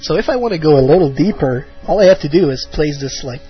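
A man's voice: on the high side, expressive, quick pace, breathy edge. A man hosting a casual fan talk show, rambling with plenty of fillers and restarts. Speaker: podcast host. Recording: muffled lo-fi audio with faint music.

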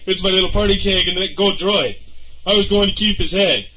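A man's voice: sits high, brisk, natural voice. A man playing a dim, party-loving male space trooper with a goofy manner. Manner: goofy, says "eh". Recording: dull lo-fi recording with noise.

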